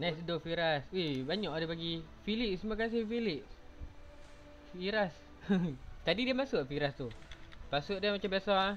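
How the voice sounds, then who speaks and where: With long, frequent pauses, a man at a high pitch speaks at a moderate pace with lively intonation. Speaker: gaming streamer. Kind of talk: live gameplay commentary. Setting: live stream. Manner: animated.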